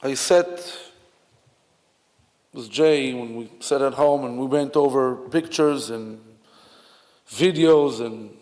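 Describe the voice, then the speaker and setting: A man from Israel with an Israeli accent, giving a memorial eulogy in a halting, reflective way with many fillers and restarts. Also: medium pitch, a little mellow. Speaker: officiant at a memorial service. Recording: long hall reverb.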